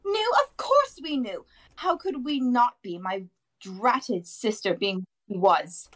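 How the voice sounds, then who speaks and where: A woman playing a middle-aged aunt in an audiobook, shrill, resentful and ranting with spite. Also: animated, takes it slowly. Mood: shrill contempt. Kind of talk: audiobook character acting.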